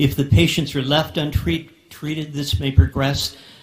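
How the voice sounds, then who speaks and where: Somewhat breathy tones come from a man. He keeps to a moderate pace. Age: 70s. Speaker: physician. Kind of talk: conference talk. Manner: halting.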